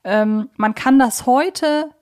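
A woman's voice: high-pitched, slow, a little mellow. A woman co-hosting a casual podcast, explaining her analysis in wordy, carefully phrased sentences. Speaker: podcast host. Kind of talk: casual analytical podcast conversation about a children's audio drama series.

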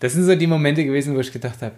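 A man co-hosts a podcast and walks through a book in a casual, conversational, explanatory way. His fairly high voice races along and has a slightly mellow quality.

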